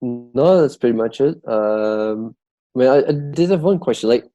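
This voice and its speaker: A man's voice: mid-range voice, lively intonation, normal speed, dark tone, dry recording. A man from the Netherlands with a Dutch accent tinged with British English, chatting casually as a podcast guest and filling his talk with "like". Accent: Dutch with some British English. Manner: rambling, heavy use of "like". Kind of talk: casual conversation.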